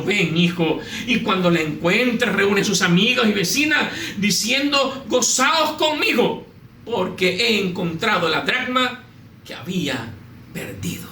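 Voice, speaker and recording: A man's voice: sits high, pushed and bright. A man preaching a sermon as a pastor, telling humorous stories with mimicked voices. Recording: echoey room, slightly distant mic, faint noise.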